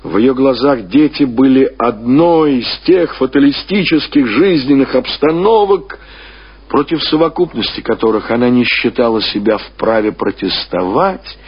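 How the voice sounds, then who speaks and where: A man reading classic literary prose as a radio narrator, in a measured, expressive storytelling manner with deliberate phrasing. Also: mid-range voice, slightly rough. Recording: dull lo-fi radio recording.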